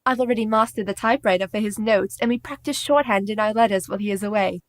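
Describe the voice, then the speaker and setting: An actress playing an earnest, sensible young woman in a stage radio play, speaking in a measured, gently wry way. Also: medium pitch, dry recording, natural voice.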